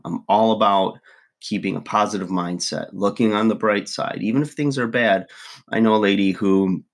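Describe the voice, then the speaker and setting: A man with a very low, husky voice speaks to his viewers early in the morning. His groggy voice carries a loose, rambling coaching talk with plenty of fillers. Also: moderate pace. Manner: rambling, many fillers and asides. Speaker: fitness coach and vlogger. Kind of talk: casual motivational talk to camera.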